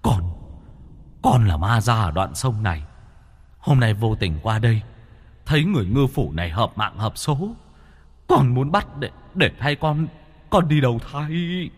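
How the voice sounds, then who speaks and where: A man's voice: mid-range voice, animated, a little slow, pauses often, slightly rough, long reverb tail. A man voicing a river water ghost that stammers and begs for mercy. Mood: pleading. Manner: groveling, stammering.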